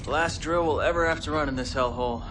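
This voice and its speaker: A man playing a cocky, rebellious young cadet hacker in a video game cutscene, with a gravelly, flippant delivery. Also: on the high side, quick pace, background noise, natural voice. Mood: wry, confident. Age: young adult. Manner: flippant, boastful.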